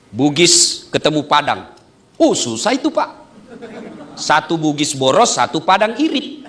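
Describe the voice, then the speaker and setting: A male preacher giving a lively, joking wedding sermon to an audience, often asking questions and then answering them himself. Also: very high-pitched. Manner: animated, joking, asks and answers own questions.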